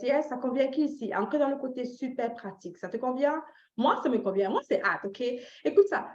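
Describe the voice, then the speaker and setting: A woman's voice: fairly high pitch, darkish tone. A woman from Canada teaching personal finance informally, repeating phrases for emphasis, checking in with listeners and dropping in short English tags. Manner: engages listeners directly with questions. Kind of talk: informal live teaching talk with motivational tone. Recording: roomy echo, slightly dull lo-fi sound.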